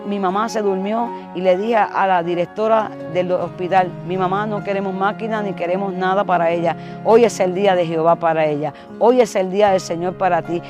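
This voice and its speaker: A woman preacher telling an emotional testimony in a fervent sermon style, often calling her listener brother. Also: medium pitch.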